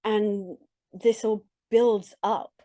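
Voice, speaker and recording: Warm, earnest woman coach talking. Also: mid-range voice, fairly even intonation, no echo, studio quality. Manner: earnest, reflective, with frequent soft laughs; speaks in short halting phrases with restarts. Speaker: relationship coach, podcast guest. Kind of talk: conversational interview.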